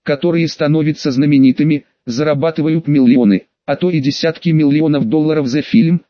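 A man's voice: a little high, fairly even intonation, a little fast, no echo, natural voice. A man reading the lines of a blunt, practical young woman who speaks her mind plainly. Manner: blunt, matter-of-fact. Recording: dull lo-fi recording.

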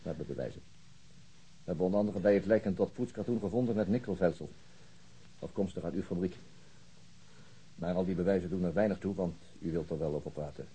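Deep, very husky chief inspector. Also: male voice, dark tone, rough recording. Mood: grave, accusing. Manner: measured, blunt, laconic. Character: grave, weary, unyielding police chief inspector. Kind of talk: radio drama acting.

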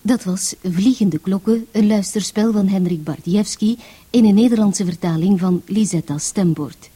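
A woman's voice: medium pitch, normal speed, dark tone, husky. A woman reading scripted closing credits as a radio announcer.

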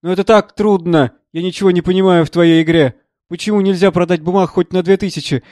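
A man's voice: high voice, steady tone, fast talker, darkish tone, no room sound, clean studio sound, natural voice. A man reading a distraught, pleading professor's wife. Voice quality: tearful, pleading.

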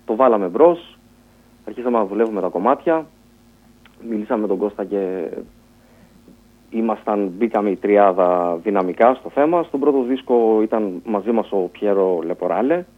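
A man, a band musician talking about his band in a radio interview, telling it in a relaxed way. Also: fairly low pitch. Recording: tinny phone-like radio sound.

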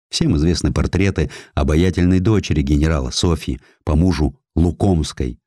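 Deep-voiced man narrating with lively intonation. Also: no room sound, clean studio sound. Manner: measured, storytelling delivery, acts out quoted dialogue. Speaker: audiobook narrator. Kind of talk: expressive literary narration of historical sketches.

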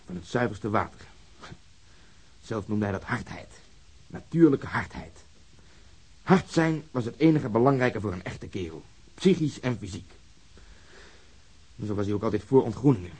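An actor playing a blunt, bitter police officer in a radio drama, with a husky, emphatic delivery. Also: male voice, on the low side, lively intonation, normal speed, pauses often, darkish tone. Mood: bitter recollection.

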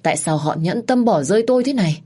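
Husky low-voiced woman narrating a story. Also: lively intonation, fast talker, warm tone. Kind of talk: first-person story narration.

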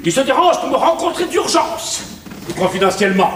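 Lucien, a loud vulgar tycoon. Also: male voice, very high-pitched, very animated, a little fast, crowd noise. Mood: blustering. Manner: boisterous, crude, bossy. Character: loud rich vulgar boastful businessman. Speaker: stage actor. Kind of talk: 1970s televised stage comedy. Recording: echoey stage, distant mic, noisy.

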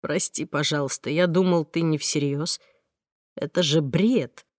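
Brief: woman playing a gentle, unhurried man speaking low and quiet. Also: no room sound, studio quality. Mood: soothing. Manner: soft, low, steady. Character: calm, gentle man soothing a friend.

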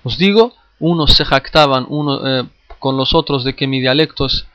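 A man's voice: medium pitch, moderate pace, fairly bright tone, smooth, no room sound, lo-fi sound. A man teaching a lesson on Islamic history, addressing his listeners directly, often hesitating, repeating phrases and restarting words. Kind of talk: classroom lecture.

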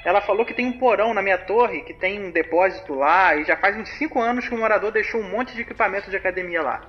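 Speaking fast in a natural, high-sitting voice, a man gives a chatty, slang-laced account of a spooky story over a phone call. He is an actor playing a young man. The audio is muffled like a phone call, with faint hiss.

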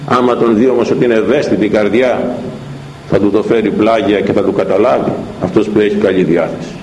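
A man's voice: lowish voice, echoey room, a little hiss or hum, low-quality recording. A man preaching a sermon, telling anecdotes and acting out the dialogue in them. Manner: storytelling, animated, acts out dialogue. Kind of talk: sermon on a Bible verse with anecdotes.

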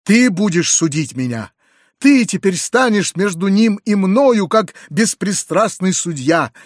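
A man voicing an excitable, kind-hearted middle-aged landowner who talks in agitated exclamations. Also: high-pitched, no echo, studio quality, pitched above the performer's own voice, full character voice. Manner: agitated, exclamatory, rising to shouts. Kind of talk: audiobook character reading.

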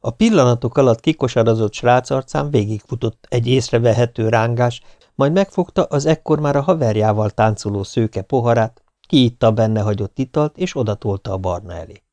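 A man from Hungary narrating a short story audiobook in a steady, measured way. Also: mid-range voice, dry recording. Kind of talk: scripted narration.

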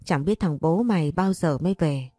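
A woman voicing a weary, tender old grandmother who speaks gently. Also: low-pitched, moderate pace, dry recording.

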